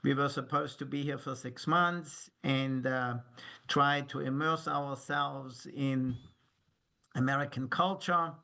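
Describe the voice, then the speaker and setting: A man in his sixties with a German accent, a guest telling his story slowly and thoughtfully over a video call. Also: medium pitch, fairly even intonation, gravelly, sharp tone. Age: 60s. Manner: slow, reflective storytelling with laughs at himself.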